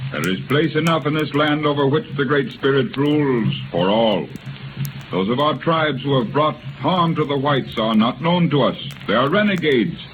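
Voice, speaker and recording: An actor playing a grandiose Native American chief professing peace in solemn, flowery 1930s radio oratory. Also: male voice, medium pitch, lightly acted. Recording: noisy, tinny 1930s radio recording.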